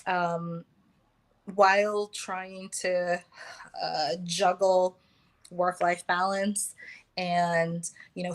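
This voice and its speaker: An American woman talking as a guest in a casual conversation, pausing often with fillers and restarts. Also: fairly low pitch, fairly bright tone. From United States. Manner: hesitant, many fillers and restarts.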